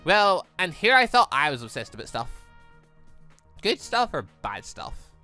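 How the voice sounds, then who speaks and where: Animated, bright-voiced visual novel read-along host. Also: mid-range voice, measured pace, faint music behind. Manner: animated, rambling, slips between reading and reacting. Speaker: YouTube host reading a visual novel aloud. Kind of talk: lively read-along commentary with ad-libbed asides.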